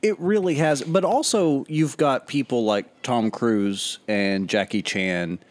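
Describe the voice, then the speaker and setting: A man in his early thirties co-hosting a podcast, talking in a measured, thoughtful, dry way. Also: mid-range voice. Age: 30s. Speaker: podcast co-host. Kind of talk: casual chat.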